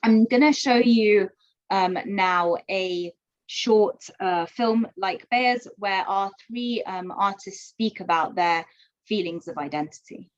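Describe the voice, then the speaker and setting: A woman's voice: mid-range voice, slow. A woman presenting at an event, reading a biography steadily and then introducing a film with some hesitation. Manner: steady reading, hesitant when speaking freely. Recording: dull muffled sound.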